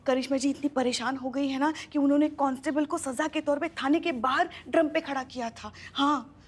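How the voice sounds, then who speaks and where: A fussy, emotional head constable, played by an actress in a TV police comedy serial, pleading and stammering in a very high voice. Music plays clearly under her lines. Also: fairly even intonation, fairly quick, close to an everyday voice. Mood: earnest worried. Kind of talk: TV serial acting.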